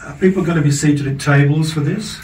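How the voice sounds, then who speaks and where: Australian radio host, roomy distant sound. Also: male voice, fairly high pitch, brisk, a little hiss or hum. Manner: relaxed, prompting questions. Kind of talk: radio studio interview. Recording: roomy, distant camera audio.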